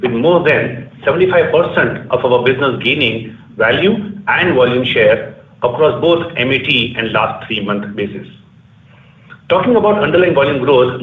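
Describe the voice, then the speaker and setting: Indian guy reading out company results all formal, sounds far off on a tinny echoey call. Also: mid-range voice. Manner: formal, measured corporate delivery. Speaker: company finance executive presenting results. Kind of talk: prepared earnings call presentation. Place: conference call. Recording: distant, echoey phone-like conference line.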